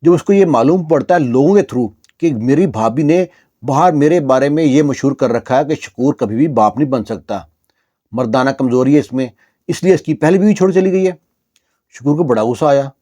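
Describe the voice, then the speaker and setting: A man's voice: mid-range voice, warm tone. A man narrating a village story in a conversational way, with repeated fillers and restarts.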